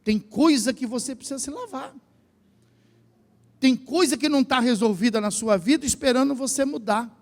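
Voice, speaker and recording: A Brazilian pastor preaching a sermon in an animated way, shouting at the peaks and slipping in joking asides, with a Brazilian Portuguese accent, recorded in a large church. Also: male voice, very high-pitched, moderate pace. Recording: echoing church hall.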